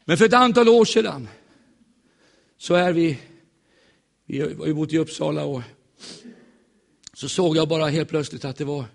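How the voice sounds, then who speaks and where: A man preaching in a church, telling stories in a lively, joking way and acting out the voices of the people in them. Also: a little high, vocal fry, pauses often. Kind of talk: humorous sermon storytelling.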